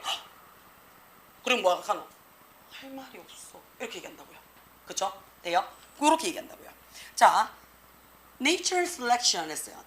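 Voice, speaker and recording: A woman English teacher giving an exam prep lecture, lively and slangy, peppering students with rhetorical questions. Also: mid-range voice, slight background noise. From South Korea.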